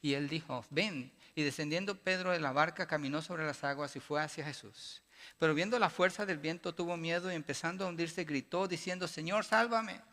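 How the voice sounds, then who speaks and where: A man preaching a sermon as pastor, asking his congregation rhetorical questions and building to loud, emphatic passages. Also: on the high side, a little fast. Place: church sanctuary. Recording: long church-hall reverb.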